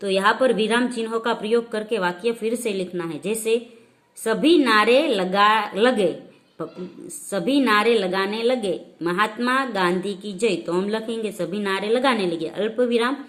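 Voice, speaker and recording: A woman teacher from India walking children slowly through a language lesson, dictating answers step by step. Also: medium pitch. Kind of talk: slow explanatory lesson for children.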